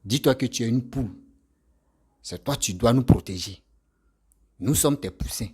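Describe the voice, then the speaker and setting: A man's voice: mid-range voice, normal speed, darkish tone, husky. A man commenting on a clip, talking directly to his audience and leaning on proverbs. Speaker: online commentator. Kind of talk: commentary addressed to viewers.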